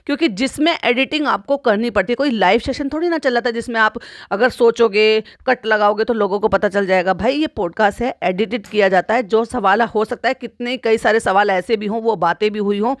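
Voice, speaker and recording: A woman's voice: fairly high pitch, brisk, no echo, studio quality. A woman hosting a casual commentary monologue, chatty and repetitive, with frequent exclamatory asides. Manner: chatty, repeats phrases, frequent "bhai sahab" asides. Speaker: YouTube commentary host.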